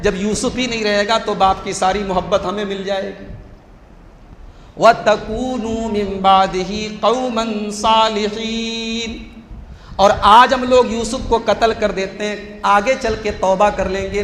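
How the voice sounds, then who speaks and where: A man's voice: high voice, fairly bright tone. Emphatic man preaching in an echoey hall. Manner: emphatic, repetitive, rhetorical. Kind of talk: sermon. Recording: echoey hall, faint hum.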